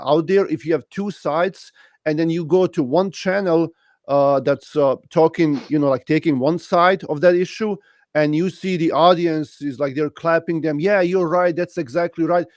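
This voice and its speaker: A man hosting a casual interview who agrees readily and often pauses with "uh" while he talks. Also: a little high, darkish tone, dry recording, studio quality. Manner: agreeable, many "uh" hesitations. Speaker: host.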